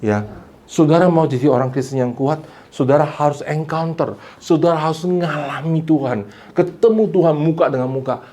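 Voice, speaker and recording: A man preaching a church sermon, mixing English phrases into his talk and swinging between loud, high emphasis and low, quiet asides. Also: moderate pace. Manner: mixes English phrases into preaching, repeats "saudara" and "amin". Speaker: pastor.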